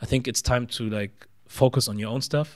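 On a very clean recording with a silent background, a man with a German accent speaks at a fairly quick pace, with a medium pitch and ordinary pitch variation. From southern Germany. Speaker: podcast host. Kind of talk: interview. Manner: halting.

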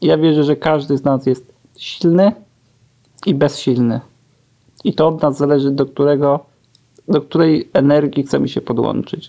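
With a dark, mellow tone and fairly even intonation, the voice keeps a very even loudness at a moderate pace, broken by long, frequent pauses. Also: man, fairly high pitch for a man. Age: 30s. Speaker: motivational speaker. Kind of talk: interview.

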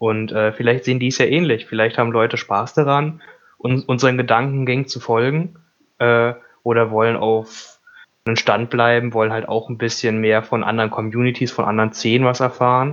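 With a normal speaking voice, the speaker moves at a fairly quick pace and keeps a fairly even intonation. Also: man, medium pitch for a man. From northern Germany, Jever (Friesland). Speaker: podcast co-host, tabletop gamer. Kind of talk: casual chat.

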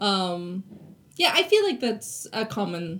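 A woman with a British accent at a very slow pace. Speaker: podcast guest. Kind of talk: casual chat.

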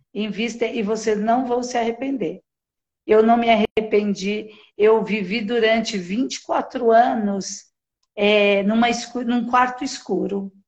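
A woman talks very slowly, her intonation staying fairly level. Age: 50s. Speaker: teacher, course student giving testimony. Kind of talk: testimony. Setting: video call. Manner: halting. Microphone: phone on video call.

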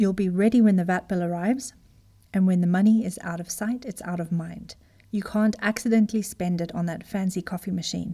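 Somewhat breathy and dark, mellow in tone, a woman's voice sits at a medium pitch with fairly even intonation. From Zimbabwe. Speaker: business coach podcast host. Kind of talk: scripted podcast monologue.

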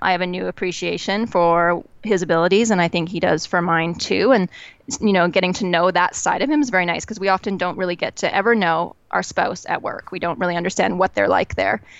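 A woman with a Canadian accent talks at a very fast pace with hardly any pauses and vocal fry. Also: fairly low pitch for a woman, ordinary pitch variation. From Canada. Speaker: food company co-founder. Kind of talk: interview.

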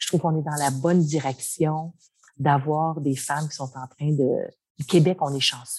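The speaker talks at a fairly slow pace. The voice is somewhat breathy. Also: woman. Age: 50s. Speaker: entrepreneur, company founder. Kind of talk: interview.

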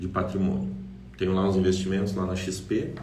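A man with a fairly low voice speaks in a room with audible echo. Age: 40s. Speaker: podcast host, import business owner. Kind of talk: casual monologue.

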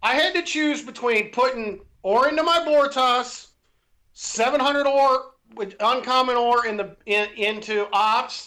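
A man speaks in a raised, projected voice at an extremely high pitch. His tone is bright and sharp. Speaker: game player caller. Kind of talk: casual chat. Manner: loud.

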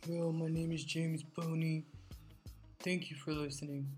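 A put-on character voice, mumbled in a flat monotone at a middle pitch. The pace is moderate, with music playing in the background. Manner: mocking imitation of a friend's voice.

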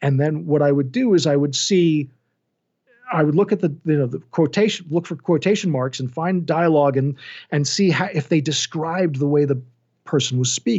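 At a moderate pace, a man with a fairly high pitch speaks in a somewhat breathy voice with ordinary pitch variation. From New York City. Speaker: audiobook narrator. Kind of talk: casual chat.

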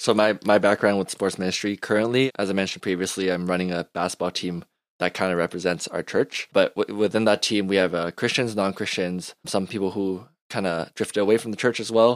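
A man with an ordinary speaking voice and a Canadian accent talks at a fairly quick pace with a fairly low pitch and fairly even intonation. The recording is very clean with a silent background, and the sound is dry and close with no echo. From Scarborough, Toronto, Canada. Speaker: church basketball team coach. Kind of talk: casual chat.

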